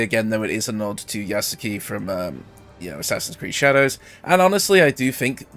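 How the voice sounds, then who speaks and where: A man giving a casual, conversational video game guide commentary, explaining things informally, his voice a bit ill and recovering from being lost. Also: mid-range voice. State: ill, voice recovering after losing it. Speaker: gaming video creator presenting a character build guide.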